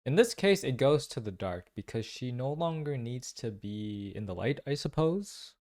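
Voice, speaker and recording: A man hosting a casual reaction video, thinking aloud in slangy, excitable commentary. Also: medium pitch, normal speed. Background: faint music.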